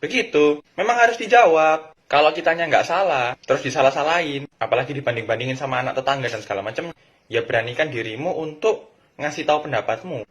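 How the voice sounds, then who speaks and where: A young man giving casual, preachy advice to parents and kids, animated and lively in delivery. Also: a little high, fast. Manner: animated, preachy, acts out quotes. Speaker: vlogger.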